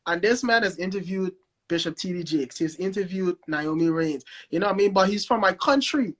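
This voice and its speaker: A man with a Guyanese accent speaks with a high, bright voice. He talks in an animated way, doubling back on words as he builds up to each point, in a relaxed interview chat. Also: a little fast. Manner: animated, repeats himself, enthusiastic. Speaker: guest, record label founder. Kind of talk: casual interview over a live stream.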